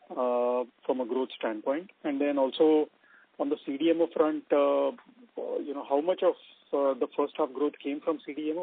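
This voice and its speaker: A man calling in as an analyst, putting questions on an earnings call in a polite, conversational way over the phone. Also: mid-range voice. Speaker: analyst caller asking questions. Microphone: telephone. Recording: narrowband tinny phone line.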